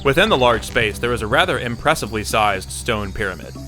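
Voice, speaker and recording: A man's voice: medium pitch, lively intonation, a little fast, over music. A man delivering scripted audio drama narration as the narrator, with wry asides.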